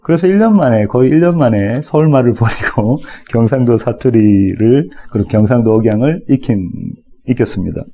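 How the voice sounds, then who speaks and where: A man from South Korea, a pastor giving an expository sermon in a relaxed, conversational way with touches of humor. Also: medium pitch.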